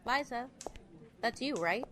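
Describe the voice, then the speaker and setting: An actress playing a soft-spoken, grateful, hesitant woman in an audio drama. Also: a little high, lively intonation, a little slow, slight background noise. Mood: tentative, resolved.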